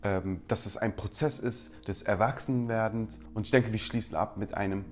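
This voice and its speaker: A man's voice: fairly low pitch, fairly even intonation, moderate pace. A man presenting rhetoric tips in an instructional talk, speaking directly to his viewers and acting out example apologies.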